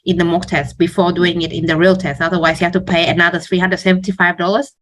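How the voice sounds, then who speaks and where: A woman's voice: lowish voice, little pitch movement, fast talker. A woman test coach talking casually in a question-and-answer discussion, hesitantly, often repeating words as she goes.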